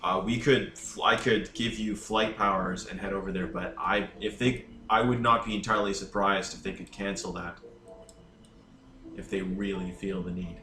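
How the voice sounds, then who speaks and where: Male tabletop player, lowish register, informal talk, off-mic and roomy. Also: steady tone, moderate pace, bright, forceful tone. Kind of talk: casual table chat. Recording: distant mic, echoey room, faint noise.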